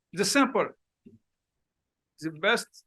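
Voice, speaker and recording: His voice is raised and projected. The man's tone comes across bright and sharp. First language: French. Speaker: professor presenting at a medical conference. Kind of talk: conference presentation and Q&A. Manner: halting.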